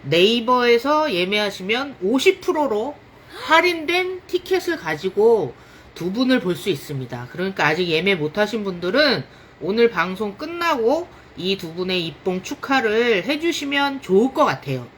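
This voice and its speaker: Female livestream host, upbeat and announcing, with a lively melody. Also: medium pitch, normal speed, a little hiss or hum. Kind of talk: casual livestream hosting.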